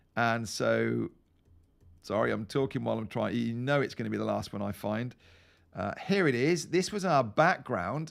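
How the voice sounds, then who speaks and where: A man speaks with a British accent in a very clean recording with a silent background. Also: moderate pace. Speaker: software trainer. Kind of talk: live stream tutorial.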